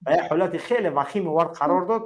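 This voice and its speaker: A man with a Tajik accent hosting a call-in show, talking in an emphatic, preachy way and piling up repeated phrases. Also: fairly high pitch. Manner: emphatic and repetitive, stacks up parallel phrases. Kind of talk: preachy political call-in talk.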